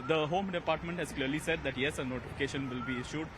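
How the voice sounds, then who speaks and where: Fast-talking male reporter with street noise. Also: on the high side. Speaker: news reporter. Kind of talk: live field report. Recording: clear outdoor traffic and street noise.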